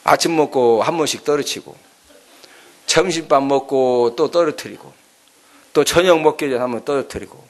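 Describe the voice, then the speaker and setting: A man's voice: medium pitch, normal speed. A man preaching a sermon as pastor. He tells the story with sound effects and often checks in with the congregation.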